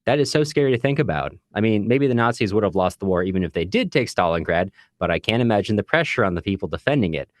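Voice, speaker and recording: Deep-voiced man co-hosting a podcast. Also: lively intonation, quick pace, few pauses, dry recording, clean studio sound. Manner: reads listener comments aloud. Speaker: podcast co-host. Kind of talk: book discussion podcast, casual chat.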